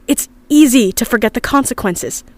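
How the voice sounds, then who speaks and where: A young woman, played by an actress, with a fairly high voice records an earnest personal log in a sci-fi audio drama. She is upset and confiding, with a hesitant, emotional delivery that suits life in an underground hideout. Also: animated, normal speed, darkish tone, close to an everyday voice. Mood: distressed, indignant. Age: young adult. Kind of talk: audio drama monologue, confiding diary entry.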